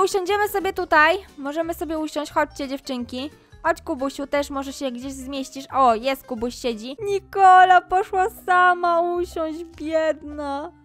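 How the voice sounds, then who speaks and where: A woman with a high, slightly bright voice plays a mom scolding her kids in a Roblox roleplay, commenting on the game as she goes. She's a gaming YouTuber and turns to talk straight to her viewers in asides.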